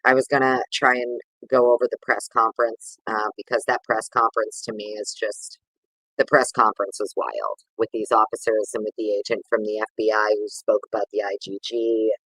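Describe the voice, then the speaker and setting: A man's voice: on the low side, steady tone, normal speed, bright, forceful tone, slightly rough, no echo, rough recording. A man hosting a casual livestream, chatting with viewers in a rambling, over-caffeinated, sweary way. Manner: informal, sweary slang. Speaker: livestream host.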